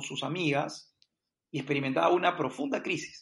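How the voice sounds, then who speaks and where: A man's fairly high-pitched voice, fairly slow in pace, with ordinary pitch variation. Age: 40s. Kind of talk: debate-style interview.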